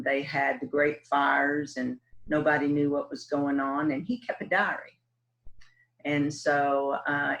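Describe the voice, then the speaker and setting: A woman with a West Texas twang, running for city council and telling her story. She takes her time, speaking slowly, and drops in plenty of ums and uhs. Her manner stays folksy and relaxed throughout. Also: sits low, low-quality recording. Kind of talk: casual interview answers.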